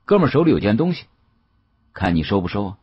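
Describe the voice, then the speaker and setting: Audiobook role: a man as a smirking, insolent young challenger, very raspy, lively pitch, slightly muffled recording. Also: quick pace, no room sound. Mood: smugly challenging. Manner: flippant, insolent drawl. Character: cocky, sneering young male student with a slangy taunt.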